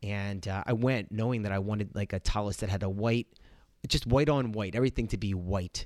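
Speaking at a fairly quick pace with an American accent, a man has an unremarkable speaking voice, a fairly low pitch and fairly even intonation, on a very clean recording with a silent background and a dry, close sound with no echo. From US Northeast, Philadelphia. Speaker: mindset coach. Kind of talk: interview testimony.

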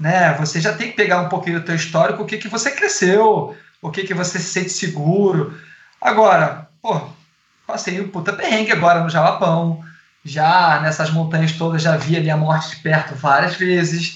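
With audible room echo, a man speaks at a high pitch and a moderate pace, his intonation fairly even. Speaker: sports event company CEO and adventurer. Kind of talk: casual interview. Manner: eloquent.

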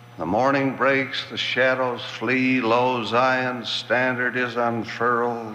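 A man's medium-pitched, monotone voice with flat intonation and very even loudness, at a very slow pace, over noticeable background noise. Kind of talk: sermon-style testimony. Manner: preacherly, earnest, deliberate.

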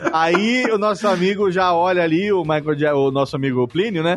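Lively, high-pitched speech from a man over noticeable background noise. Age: 40s. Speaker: podcaster. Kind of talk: casual chat. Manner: animated.

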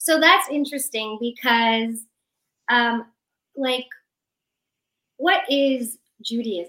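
At a very slow pace, a woman uses a raised, projected voice that is high-pitched, bright and sharp, with lively intonation and long, frequent pauses. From Los Angeles, from age seven (born in Israel). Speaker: dance teacher and choreographer. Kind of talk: interview.

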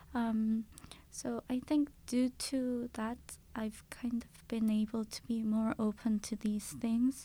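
In a Korean accent, a woman speaks very slowly with a fairly high yet dark, mellow voice, her intonation flat and monotone while her loudness swings widely. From South Korea, Gangwon province. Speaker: university student studying landscape architecture. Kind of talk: casual interview conversation.

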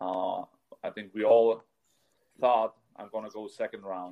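In a German accent, a man talks at a fairly slow pace. The sound is dry and close, with no echo. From Germany. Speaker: hockey assistant coach. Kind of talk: interview.

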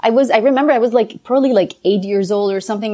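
Speaking with a Colombian accent, a woman uses a fairly high voice with a dark, mellow tone. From Colombia, Coffee Axis. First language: Spanish. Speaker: immigrant guest. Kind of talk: casual interview chat. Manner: upbeat, positive.

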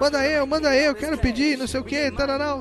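Here a man talks in an animated tone. His pace is fairly quick. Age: 30s. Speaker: podcast host. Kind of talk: casual chat.

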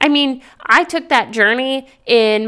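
A woman speaks loudly with a bright, sharp tone and ordinary pitch variation. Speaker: podcast host. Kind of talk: solo podcast talk. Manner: warm, encouraging.

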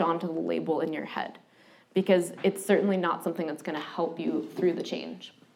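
Moderately paced, a woman speaks with a fairly low pitch. Noticeable background noise and audible room echo are present. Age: 30s. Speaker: workshop leader and podcast host. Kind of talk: lecture to a live group.

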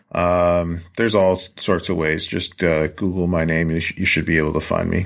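With a western Canadian accent, a man speaks in a monotone, flat intonation on a very clean recording with a silent background. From Canada, British Columbia (Coquitlam, near Vancouver). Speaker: pastor. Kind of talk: interview.

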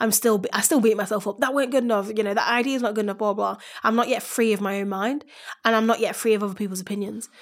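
Speaking very fast in a northern English accent, a woman keeps a fairly high pitch and fairly even intonation. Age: 20s. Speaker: agency founder and CEO. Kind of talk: casual interview.

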